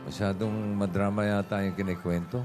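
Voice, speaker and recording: A man's voice: low voice, little pitch movement, a little fast. A man co-hosting a live variety show, bantering and laughing with the others. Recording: music playing behind.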